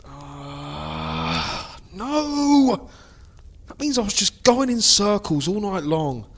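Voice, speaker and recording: A man playing a frightened, freezing fugitive wanderer in an audio drama, halting and melodramatic. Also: high-pitched, wildly swooping pitch, heavily acted. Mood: relieved, weary. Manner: halting, breathy, melodramatic exclamations. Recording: noisy background ambience.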